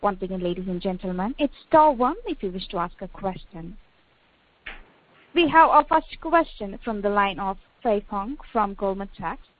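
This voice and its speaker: A woman's voice: medium pitch, lively intonation, moderate pace. A woman working as a conference call operator, reading scripted instructions in a formal, procedural way. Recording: narrow tinny phone line.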